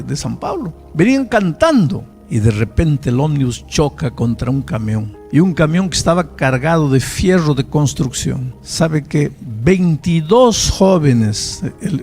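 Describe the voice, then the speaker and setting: A man's voice: a little high, creaky, a little mellow. A man preaching a sermon, telling a story dramatically with repeated phrases.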